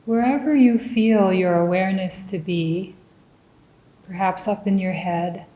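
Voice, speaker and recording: In a roomy space with noticeable echo, a woman meditation teacher guides listeners in a gentle, mellow, mid-range voice. She speaks very slowly and relaxedly, with short, deliberate phrases and long pauses in between.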